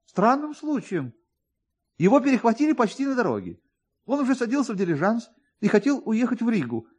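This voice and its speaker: A man's voice: extremely high pitch, very animated, a little fast, slightly rough, pitched above the performer's own voice, full character voice. A man voicing a talkative, obsequious, short-sighted police officer in a literary radio reading, rambling and hinting as he goes. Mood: chatty, self-important.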